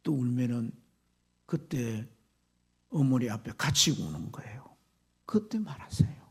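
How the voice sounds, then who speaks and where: A man, a pastor, preaching a sermon with fervor, swinging from loud exclamations to hushed whispers. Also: mid-range voice, expressive, unhurried, breathy edge.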